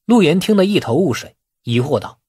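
Expressive male audiobook narrator, slightly husky. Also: fairly high pitch, brisk, no echo. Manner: expressive storytelling, acting out dialogue. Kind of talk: dramatic scripted narration of a novel.

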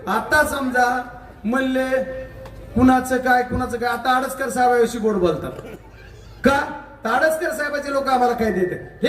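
A man giving a combative, mocking election rally speech, shouting at times. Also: very high voice, echoey room, far from the mic, a little hiss or hum. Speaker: political speaker.

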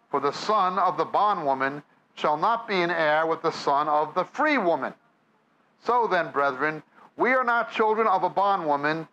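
Speaking in a slightly high voice with a sharp tone, a New York-accented Bible teacher reads scripture to a live audience and then explains it as part of a sermon. He's in a church or meeting hall, and the recording has its highs cut off.

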